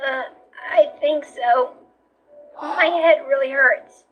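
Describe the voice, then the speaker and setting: A woman's voice: high voice, slow pace, lo-fi sound. A woman voicing a confused, distressed young boy in a dramatic comic dub. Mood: dazed, pained.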